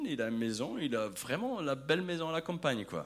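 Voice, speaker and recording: A man speaks at a very fast pace in an animated tone, on a very clean recording with a silent background. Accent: Austrian. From Austria, rural mountain area. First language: German (speaking French). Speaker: pastor. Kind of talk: sermon.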